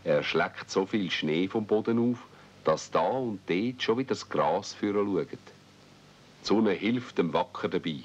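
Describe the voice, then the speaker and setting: Male narrator, Swiss German, very low register, radio-play storytelling, slightly muffled vintage 1970s recording. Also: animated, measured pace, slightly rough.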